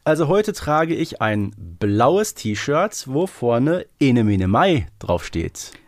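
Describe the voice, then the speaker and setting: A man from Germany chats casually as a podcast co-host. His pitch is medium but moves in a lively way, and the sound is close and dry. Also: takes it slowly, dry recording. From Herten, Germany. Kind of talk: casual conversational podcast chat.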